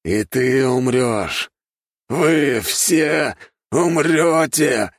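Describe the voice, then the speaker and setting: Man doing a villainous commander, arrogant, menacing, slow drawn-out threats, raised pitch, dry audiobook sound. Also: expressive, no room sound, heavily acted. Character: cruel high-caste male commander, arrogant.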